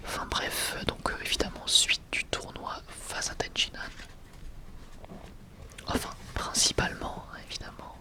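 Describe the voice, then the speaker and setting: The clip features an ASMR video maker whispering breathily and softly, all unvoiced, in an easygoing showcase paced slowly with some hesitation.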